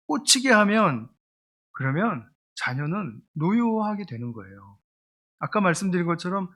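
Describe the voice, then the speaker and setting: Bright-voiced Korean pastor preaching. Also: male voice, fairly high pitch. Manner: conversational, acts out parents' scolding lines. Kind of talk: sermon.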